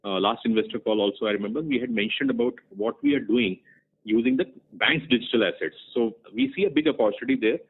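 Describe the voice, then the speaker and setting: A man's voice: medium pitch, breathy edge. A man, a company executive, answering an analyst on an earnings call with many fillers and restarts. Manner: rambling with many fillers, checks he understood. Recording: phone-line audio.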